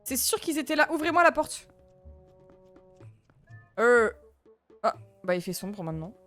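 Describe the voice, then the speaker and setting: A streamer in her twenties rambles casually to her chat while playing a game, with faint game music behind her. Her voice sits on the high side, sing-song and a bit bright, and she takes her time.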